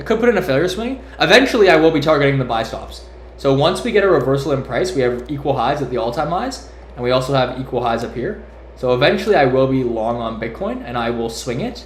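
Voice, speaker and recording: Speaking at a very fast pace with a Canadian accent, a man swings widely in loudness amid audible room echo and noticeable background noise. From Eastern Canada. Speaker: day trader streaming live trades. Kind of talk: live trading stream with chat Q&A. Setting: live stream. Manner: casual, frequent fillers.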